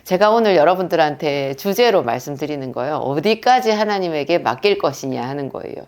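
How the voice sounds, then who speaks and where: A woman's voice: sits low, animated, fairly quick, a little mellow. A woman, a pharmacist and pastor's wife, gives an earnest prayer lecture and tells stories with quoted dialogue.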